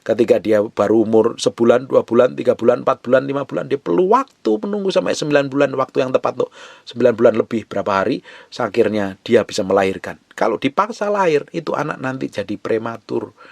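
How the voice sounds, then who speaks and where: Impassioned pastor preaching up close. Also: male voice, medium pitch, expressive, fast, gravelly, no echo. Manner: swings from loud urgent exhortation to soft hushed pleading. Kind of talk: sermon.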